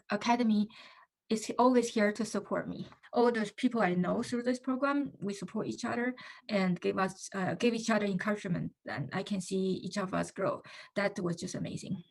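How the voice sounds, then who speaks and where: A woman's voice: medium pitch, gravelly, low-quality recording. A woman from China with a Chinese accent, speaking English as a second language, giving an earnest testimonial with frequent fillers. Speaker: coaching student. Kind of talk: recorded testimonial.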